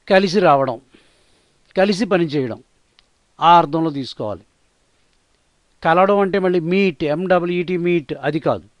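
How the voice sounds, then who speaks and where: A man with a Telugu accent teaching English vocabulary, spelling each word letter by letter and repeating it slowly. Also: on the high side, no echo. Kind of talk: slow vocabulary lesson, spelling and repeating words.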